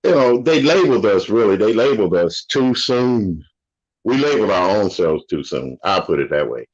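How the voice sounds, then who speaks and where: A man's voice: on the low side, sing-song, moderate pace, slightly rough. An older man in casual conversation, an opinionated, rambling storyteller from the United States. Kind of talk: casual chat. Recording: dull lo-fi audio.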